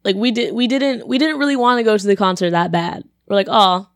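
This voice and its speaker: A young woman, a college student, telling a story in casual chat, her voice deeper than usual and a bit congested, with lots of "like" and acted-out quotes. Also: fairly quick, no room sound, clean studio sound. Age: young adult. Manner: chatty, animated, lots of "like", acts out quotes.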